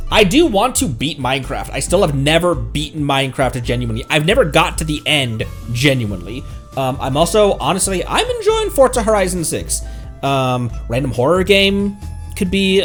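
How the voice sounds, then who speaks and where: Guy streamer just chatting, playful n rambly, slow pace, really animated pitch, music under it. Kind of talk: casual livestream chat.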